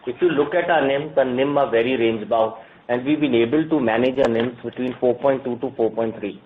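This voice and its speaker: A man with an Indian accent answering questions as a bank executive on an earnings call, in a measured but halting corporate manner with repeated words. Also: medium pitch. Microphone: telephone conference line. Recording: tinny phone line with noise and clicks.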